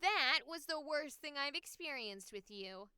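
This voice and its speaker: A woman's voice: high-pitched, lively intonation, unhurried, bright, forceful tone, no echo, pitched above the performer's own voice, heavily acted. A woman voicing a snarky, exasperated young girl adventurer in a voice acting audition read. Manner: sarcastic, exasperated.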